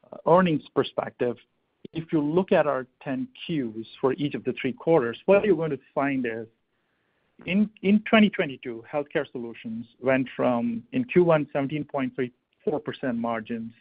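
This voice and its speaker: A man speaking as a company executive on an earnings call, answering questions in a halting, measured business manner over a phone line. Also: medium pitch, no echo. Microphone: telephone. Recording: thin telephone conference line.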